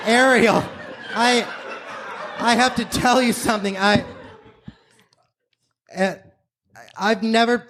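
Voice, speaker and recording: Man playing a high, halting, bumbling heroine. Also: fairly even intonation, a bit bright, full character voice. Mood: dazed, amused. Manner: halting, repeats words, amused. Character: dazed, eager woman turned bumbling magical vampire slayer. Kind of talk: improvised stage radio play. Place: live comedy theater stage. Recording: noisy live theater stage recording.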